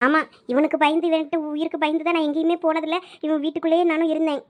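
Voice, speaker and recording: A woman's voice: sits high, flat delivery, very fast, lightly acted. A woman voicing a kindly older female house servant who speaks in a soothing, protective way. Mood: caring. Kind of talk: audio drama acting.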